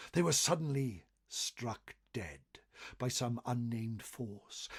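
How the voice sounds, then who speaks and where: A male storyteller with a husky, slightly rough voice at a middling pitch narrates old tales in a dramatic oral style. He swells expressively through phrases and lets their endings fall away into a hush. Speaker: storyteller reading a folklore article.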